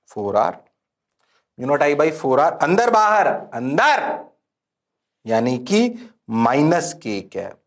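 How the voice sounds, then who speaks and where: Playful, teasing male physics teacher. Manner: playful, teasing, sings out exclamations; mimics students' replies in a low voice. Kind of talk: animated exam-prep lecture.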